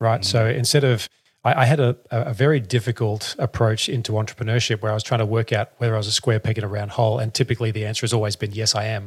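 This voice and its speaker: Delivered at a very fast pace with hardly any pauses, the voice is somewhat breathy and fairly even in intonation, with a dry, close sound and no echo. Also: man, medium pitch for a man. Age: 40s. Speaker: entrepreneur. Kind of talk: interview.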